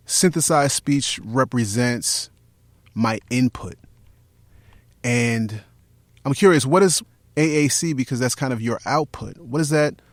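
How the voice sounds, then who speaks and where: A man hosting a podcast and interviewing a guest in a calm, thoughtful way. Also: medium pitch, no echo, studio quality. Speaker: podcast host.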